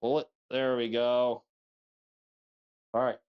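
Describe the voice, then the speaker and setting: A man's voice: mid-range voice, little pitch movement, slow, smooth, highs cut off. A man hosting a casual livestream while tinkering, with a jokey manner and frequent easy laughter. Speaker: livestream host. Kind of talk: casual chat while working on bikes. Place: basement room at home.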